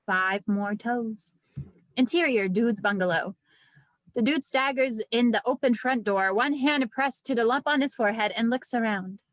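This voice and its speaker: A woman's voice: fairly high pitch, normal speed, no echo, low-quality recording. A woman reading scripted stage directions as narrator at a screenplay table read.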